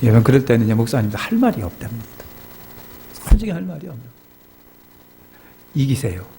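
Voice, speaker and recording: A man preaching a sermon in a church, telling anecdotes and acting out his congregants' distressed pleas in high crying voices. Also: very animated, fairly quick, vocal fry, mellow, a little hiss or hum, rough recording. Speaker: pastor. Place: church sanctuary.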